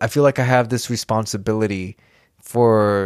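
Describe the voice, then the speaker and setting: Over a silent background in a very clean recording, a man with an ordinary speaking voice talks at a moderate pace in a medium pitch with fairly even intonation. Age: 30s. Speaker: actor and filmmaker. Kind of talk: interview.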